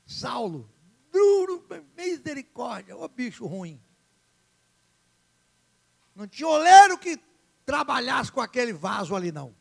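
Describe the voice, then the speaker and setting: A male pastor, preaching a sermon in an animated, dramatic way and acting out the story's characters. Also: very high voice, measured pace, creaky, long pauses.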